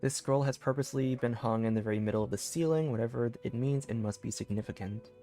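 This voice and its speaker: A man's voice: medium pitch, quick pace, dark tone. A man casually commentating on a live game stream and reading bits of on-screen text aloud. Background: game music.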